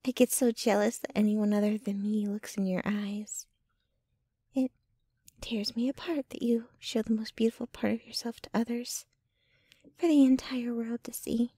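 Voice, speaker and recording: A woman's voice: fairly high pitch, fairly even intonation, moderate pace, dark tone, dry recording. A woman playing a jealous, possessive, doting young girlfriend in an intimate, dramatic ASMR roleplay. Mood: possessive, breathy adoring. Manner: intimate, dramatic, swinging between ranting and breathy murmuring.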